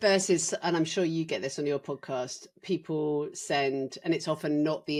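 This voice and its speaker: A woman speaks with an English accent. Her pitch is very deep and low, with ordinary variation. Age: 50s. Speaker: podcast host. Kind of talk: podcast interview.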